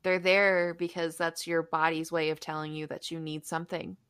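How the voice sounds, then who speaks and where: A woman's voice: low-pitched, level tone, normal speed, a bit bright, clean tone. A woman co-hosting a podcast in casual chat, with an informal, playful way of talking. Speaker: podcast co-host.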